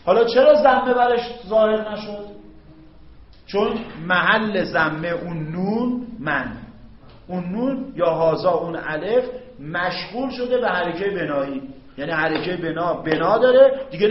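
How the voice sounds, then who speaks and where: Man lecturing in an echoey classroom. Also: fairly high pitch. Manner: keeps checking if students follow. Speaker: Arabic grammar teacher. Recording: echoey, dull classroom recording.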